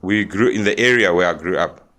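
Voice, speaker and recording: A young South African man telling his life story as a podcast guest, plain-spoken and halting with fillers. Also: low voice, a bit bright. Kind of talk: candid interview storytelling.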